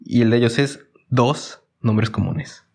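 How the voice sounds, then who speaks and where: A young man with a Mexican accent, co-hosting a podcast in a slangy, excitable way, full of fillers. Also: mid-range voice, measured pace, vocal fry, breathy edge. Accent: Mexican Spanish. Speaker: podcast co-host. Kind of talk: casual podcast chat.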